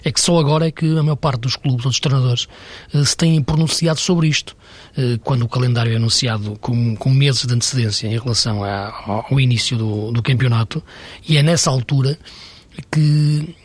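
Casting: man, husky voice, dry close sound, hesitant pundit on a panel. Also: mid-range voice, brisk, no room sound. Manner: hesitant, many restarts, argumentative. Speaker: football pundit. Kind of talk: studio panel discussion.

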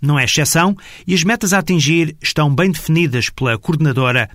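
A male reporter reads a scripted voice-over in a measured, formal way. His voice sits a little high for a man. The studio recording is dry and close. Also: expressive, a bit bright, dry recording. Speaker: reporter narrator.

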